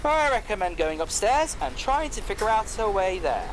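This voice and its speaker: Man voicing a high-pitched stiff clockwork robot. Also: big pitch swings, normal speed, a little hiss or hum, rough recording. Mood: matter-of-fact. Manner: stiff, formal, uncontracted phrasing. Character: literal-minded emotionless clockwork mechanical man, loyal. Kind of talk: audio drama acting.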